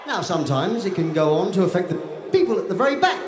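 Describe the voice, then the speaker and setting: A man's voice: high voice, sing-song, fast talker, heavy background noise. A man in his fifties, a lead singer, doing playful, teasing stage banter that builds by repetition, into a handheld mic on an outdoor stadium stage. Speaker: lead singer addressing the crowd. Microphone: handheld stage mic through PA. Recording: echoey stadium PA with loud roaring crowd. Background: roaring crowd.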